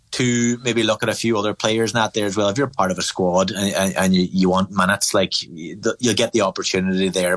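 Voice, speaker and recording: A man with a Donegal accent and a fairly low voice gives his take on sport. He talks conversationally in long, colloquial, wandering sentences, like a reporter weighing things up. The sound is dry, with little room to it. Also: a bit bright, no echo. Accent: Donegal Irish.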